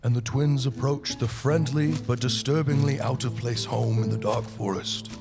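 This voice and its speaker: A young man with a creaky, mid-pitched voice narrates a radio fairy tale in storybook style. Loud plucked guitar plays behind him. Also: fairly even intonation, moderate pace. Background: prominent live guitar music.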